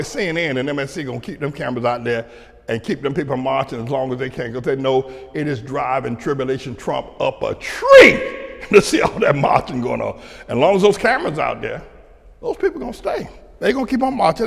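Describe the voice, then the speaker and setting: An older pastor from North Carolina with a Southern drawl, his voice high and bright with a gravelly edge. He rolls from low, chuckling asides into sudden shouted declarations. The sound carries a long reverb, as in a large hall. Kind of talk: preaching commentary to a broadcast audience.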